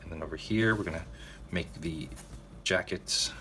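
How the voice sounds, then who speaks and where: A man's voice: low voice, normal speed, sharp tone, faint music behind. A man hosting a narrated drawing tutorial, talking casually to viewers and checking in with them often. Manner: casual, addresses viewers directly, frequent "okay?" check-ins.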